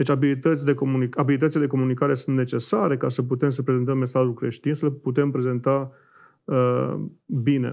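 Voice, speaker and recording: Over a quiet background, a man speaks at a fairly quick pace. His intonation is fairly even. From Romania. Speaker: lecturer and interpreter; lecturer. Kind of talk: interview interpreting. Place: studio. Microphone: lapel.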